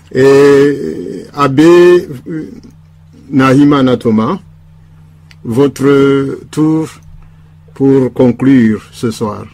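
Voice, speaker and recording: A man hosting a radio debate, speaking slowly and formally as he thanks guests and hands over the floor. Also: medium pitch, darkish tone. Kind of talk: radio moderation.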